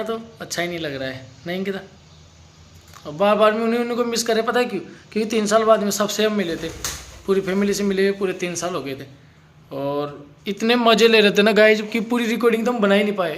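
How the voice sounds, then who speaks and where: A man hosting a casual family vlog, comforting his partner in a coaxing way and talking to viewers. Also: sits high. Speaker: vlogger host.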